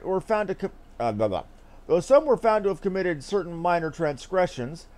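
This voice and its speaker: A man reading a fantasy game script aloud in a formal, theatrical, measured delivery. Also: high-pitched, a little mellow.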